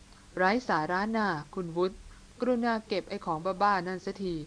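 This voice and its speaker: A woman voicing a stern, seasoned male jungle hunter who speaks low and mutters in his throat. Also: fairly even intonation, moderate pace, close to an everyday voice.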